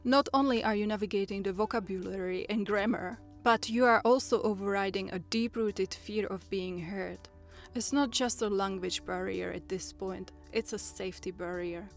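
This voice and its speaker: Earnest Czech-accented woman vlogger. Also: mid-range voice. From Czech Republic. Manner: earnest and encouraging, with measured phrasing. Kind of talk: personal, reflective vlog talk.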